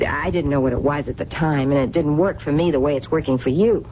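A woman's voice: sits low, fairly quick, close to an everyday voice. An actress with an American accent playing a lonely, stubborn romantic woman in a 1970s radio drama, earnest and hesitant in plain colloquial speech. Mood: wistful, earnest. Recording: dull, noisy 1970s radio broadcast recording.

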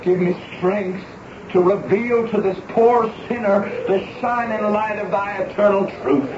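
A man's voice: high voice, steady tone, measured pace. An actor playing a pious young drummer boy who prays in a fervent, pleading, declamatory way in a 1970s radio drama. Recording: roomy, dull, noisy old radio broadcast.

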